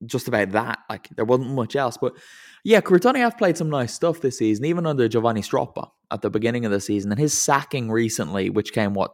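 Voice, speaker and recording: A man hosting a casual football podcast, rambling and self-deprecating as he thinks aloud. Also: medium pitch. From English-speaking country. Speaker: podcast host. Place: lives in Italy.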